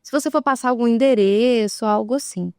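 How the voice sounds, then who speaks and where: A woman's voice: fairly high pitch, fairly quick, a little mellow, clear, resonant tone, no echo, clean studio sound. Patient Brazilian woman explaining. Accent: Brazilian Portuguese. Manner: patient explaining, frequent tag questions. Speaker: guest, sign language expert. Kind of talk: explanatory talk show conversation.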